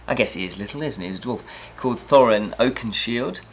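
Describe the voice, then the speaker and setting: A man hosting a fantasy review show, talking in an animated, chatty way with frequent self-corrections and rhetorical asides. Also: medium pitch, a little fast. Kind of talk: chatty unscripted review to listeners.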